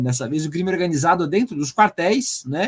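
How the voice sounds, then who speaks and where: The speaker talks with a São Paulo accent and ordinary pitch variation. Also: man. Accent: São Paulo (paulistano). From Brazil, São Paulo-born, raised in Santa Catarina. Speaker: news show host. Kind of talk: news commentary show. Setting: home studio, live stream. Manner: casual, with frequent fillers.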